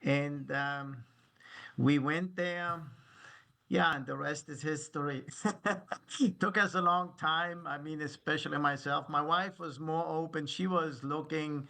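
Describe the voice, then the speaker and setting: A German-accented man in his sixties speaks slowly and reflectively, telling his story as a guest on a video call. His voice is gravelly and bright with a slightly high pitch, and he often laughs at himself. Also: steady tone. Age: 60s. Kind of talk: interview over video call.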